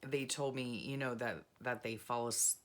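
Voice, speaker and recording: A woman vlogger chatting casually and rambling softly while she works on a journal craft. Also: a bass voice, steady tone, normal speed, a little hiss or hum. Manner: soft-spoken, rambling, self-deprecating, many fillers. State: frog in her throat.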